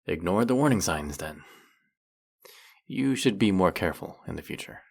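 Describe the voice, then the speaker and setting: A man playing a centuries-old, brooding vampire hunter in an audio roleplay, questioning with measured, wry menace. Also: low-pitched, animated, gravelly, heavily acted. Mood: knowing, grim. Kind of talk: dramatic audio roleplay, addressing the listener.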